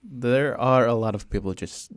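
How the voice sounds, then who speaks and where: A man with a Finnish accent hosting a podcast interview in English, agreeable and halting, often agreeing with his guest. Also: medium pitch, no room sound, studio quality. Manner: agreeable, often says "yeah, that's true", halting phrasing. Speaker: podcast host. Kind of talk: casual interview.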